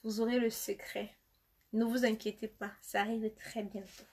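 Cameroonian accent lady doing a live chat, kinda high voice, reads comments out, gets emphatic. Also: flat delivery, normal speed, a little mellow, husky. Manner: chatty, reads comments aloud, teasing and emphatic. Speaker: live streamer answering viewer comments.

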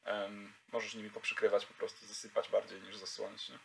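A man's voice: fairly low pitch, level tone, a little fast, vocal fry, sharp tone, slight background noise. A man narrating a tabletop game as game master, hesitant, with frequent fillers.

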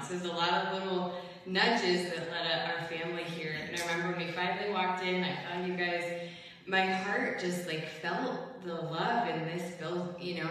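A woman in her thirties giving an emotional, earnest personal testimony to her congregation, speaking into a stand mic in a chapel. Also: on the low side. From Wisconsin. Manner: earnest, emotional, with soft laughs. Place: large chapel with hard walls. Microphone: stand mic, heard from a distant camera. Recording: echoey chapel, voice far from mic.

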